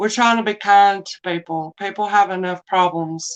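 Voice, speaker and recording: Against a quiet background, a woman with a Southern US accent speaks at medium pitch and a moderate pace with fairly even intonation. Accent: very Southern US. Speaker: live-stream seller and channel host. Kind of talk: casual live-stream chat.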